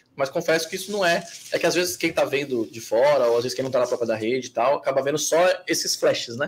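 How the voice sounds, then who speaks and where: Very fast speech from a man amid clearly audible background noise. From Osasco / Carapicuíba, São Paulo state, Brazil. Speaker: tech company co-founder. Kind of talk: casual chat.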